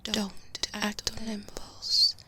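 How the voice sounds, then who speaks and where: A woman playing a proud, composed vampire in a soft-spoken ASMR roleplay, formal and deliberate, with veiled menace beneath her cordial manner. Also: mid-range voice, monotone. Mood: proud, offended. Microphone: close-up binaural microphone. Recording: clear hiss, close binaural mic.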